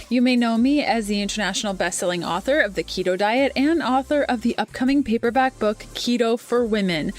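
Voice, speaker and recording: A woman in her thirties hosting her own podcast, talking candidly in a casual, chatty way with fillers like "kinda" and "like". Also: a little high. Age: 30s. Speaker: podcast host. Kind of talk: casual solo podcast monologue.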